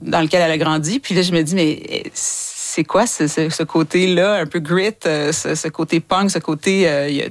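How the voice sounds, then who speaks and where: A woman with a Quebec French accent, a filmmaker guest in an interview, speaking in animated bursts with frequent restarts. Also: deep voice, normal speed, hardly any pauses. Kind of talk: casual interview talk.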